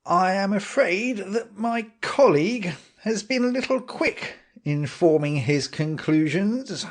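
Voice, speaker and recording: A man voicing a self-assured police inspector, slow and pompous in a raised voice. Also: sits high, expressive, voice pushed up, exaggerated voice. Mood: dismissive.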